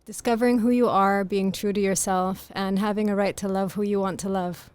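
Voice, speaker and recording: Soft-spoken woman author, podcast guest, earnest and articulate, mid pitch. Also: steady tone, fairly quick, clear, resonant tone, no echo. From grew up in Greece. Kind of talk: podcast interview.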